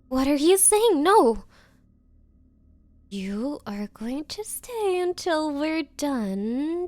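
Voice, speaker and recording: A woman's voice: high voice, darkish tone, no echo. A woman playing an obsessive, clingy yandere on a date in an ASMR roleplay, stammering and pleading with nervous giggles. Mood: possessive, insistent.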